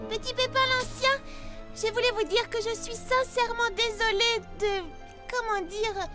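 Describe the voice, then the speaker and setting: A woman's voice: extremely high pitch, steady tone, moderate pace. A woman voicing a sweet little girl in a dubbed children's cartoon, polite and earnest. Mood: apologetic. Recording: loud cartoon music underneath.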